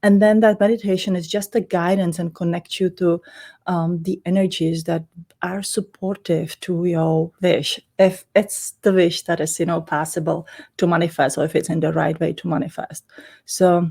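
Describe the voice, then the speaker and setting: Guest spot: Czech-accented woman, lowish voice, earnest, flowing spiritual chat, light laughs. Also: little pitch movement, normal speed, creaky, darkish tone. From Czech Republic. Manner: earnest, flowing, laughs often, non-native grammar. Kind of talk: casual interview chat.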